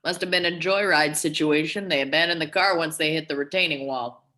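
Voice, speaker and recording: A woman's voice: deep voice, fairly quick, bright, forceful tone. A woman playing a matter-of-fact, unbothered police officer in a table read. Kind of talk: amateur virtual table read.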